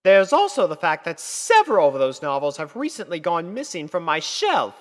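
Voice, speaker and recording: A prim, genteel lady pony from a storybook cartoon, acted by a woman. The delivery is theatrical and fussy, lifted well up in pitch. Every phrase swoops like an elder sister making a drama. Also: huge pitch swings, normal speed. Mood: musing, worried.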